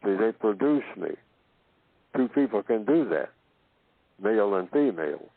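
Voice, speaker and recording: A man from Oklahoma giving a slow philosophical talk, asking himself questions and answering them, and repeating phrases to build his point. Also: lowish voice, lively intonation, no room sound. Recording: tinny phone-line audio.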